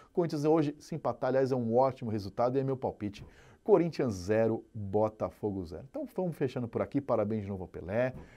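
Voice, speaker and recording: A man with a dark, mellow tone talks at a fairly quick pace. His intonation is lively, and the background is quiet. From Brazil. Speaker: sports journalist. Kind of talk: football commentary vlog. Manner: casual, conversational. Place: studio.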